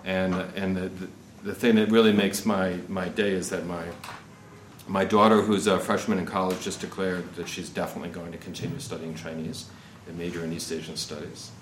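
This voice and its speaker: A man's voice: deep voice, flat delivery, a little fast. A man in his fifties speaking at an informal seminar, rambling and peppering his talk with "you know" and "right". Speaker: guest speaker on investment. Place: seminar room. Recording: echoey room with faint noise.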